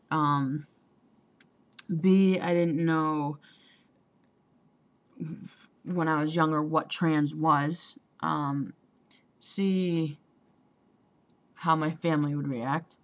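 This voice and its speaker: A young trans man talking casually to a camera, hesitant, with many ums and pauses, and a voice that still sounds female. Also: fairly high pitch, steady tone. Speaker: vlogger. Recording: dull lo-fi home recording.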